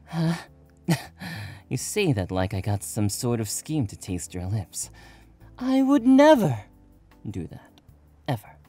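A woman's voice: a bass voice, lively intonation, warm tone, soft background music, full character voice. A woman voicing a playful, affectionate young man who teases and jokes. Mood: teasing. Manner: teasing, drawn-out playful delivery.

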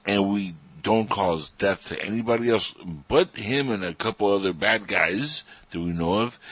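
A man's voice: on the low side, a bit bright, slightly rough, no echo. A Cuban-born man hosting a political talk show, speaking emphatically and with indignation. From Cuba. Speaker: host. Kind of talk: political talk radio chat.

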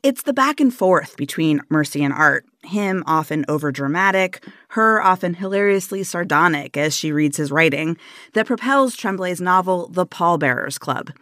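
Female radio interviewer, attentive and measured, dry sound. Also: fairly low pitch, expressive, a bit bright, dry recording. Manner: attentive, with brief affirmations and laughs. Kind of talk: interview and scripted narration.

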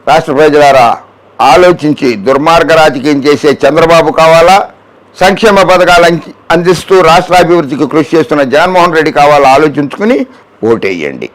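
High-voiced man, scolding political commentator. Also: brisk, rough recording. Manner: sarcastic, scolding, addresses opponent directly.

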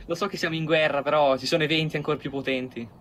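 Guy doing a sleepy old grandpa in a minecraft roleplay, mumbles quiet and quick. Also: on the high side, fairly even intonation, slight background noise, lightly acted. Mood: sluggish. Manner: quiet mumbling, hard to hear. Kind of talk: Minecraft role-play with friends.

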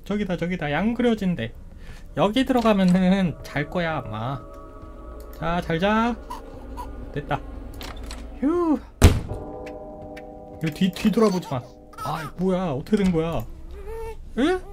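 A woman giving playful gameplay commentary, excitable, with frequent exclamations and laughter, and talking to the characters on screen. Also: lowish voice, takes it slowly, pauses often. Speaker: gameplay video creator. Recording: game music clearly audible behind the voice.

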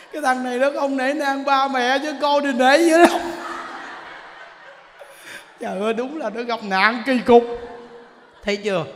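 High-voiced laughing Vietnamese monk. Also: male voice. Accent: Southern Vietnamese. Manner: animated storytelling, frequent laughter and exclamations. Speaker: Buddhist monk. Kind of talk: humorous Dharma talk. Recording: reverberant hall, faint background noise.

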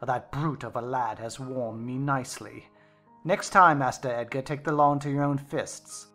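A man's voice: medium pitch, steady tone, moderate pace, a bit bright, faint music behind, natural voice. A man voicing a brusque, commanding master of the house in a dramatized story. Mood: brisk, commanding. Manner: bustling, commanding.

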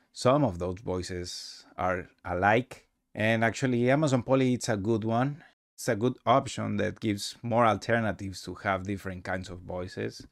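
A man narrating a casual software tutorial with halting, rambling phrasing. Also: lowish voice, no echo, clean studio sound. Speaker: presenter of a software demo.

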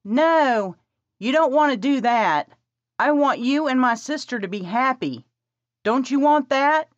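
A woman's voice: high-pitched, no room sound, voice pushed up. A woman putting on a bubbly bossy younger sister. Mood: pleading. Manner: excitable, bossy, talks fast in bursts. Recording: slightly dull dry recording.

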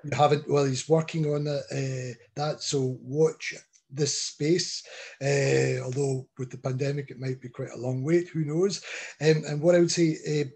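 A middle-aged man chairs an online panel in a husky, mellow voice. He introduces the next speaker politely and steadily, with plenty of fillers, through a headset mic on a video call. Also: medium pitch, fairly even intonation. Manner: polite, measured, with many fillers. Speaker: chair of a roundtable.

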